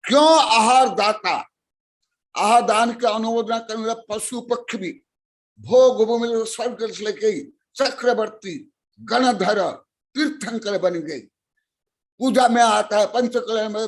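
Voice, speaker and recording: Older man preaching, high-pitched and slow, scolds and questions the listeners. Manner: scolding, questioning the audience, bursts of loud emphasis. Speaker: Jain monk teaching scripture. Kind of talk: sermon to lay listeners.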